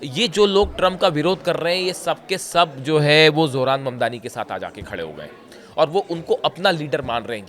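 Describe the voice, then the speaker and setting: A hoarse man giving conversational news commentary straight to his viewers, pausing often and pointing things out as he explains. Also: mid-range voice, a bit bright. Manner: conversational, often says "dekhiye", frequent filler pauses.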